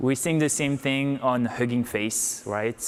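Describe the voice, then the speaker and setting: Speaking with a French accent, a man keeps a medium pitch and fairly even intonation. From France. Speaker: tech startup co-founder. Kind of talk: onstage interview. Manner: hesitant, many fillers.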